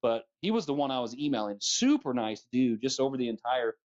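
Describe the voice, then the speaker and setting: Tinkering with bikes in his home basement, a livestream host chats casually, joking and laughing freely. His voice sits at medium pitch with big swings, moves fairly quickly and sounds a little mellow, on lo-fi audio.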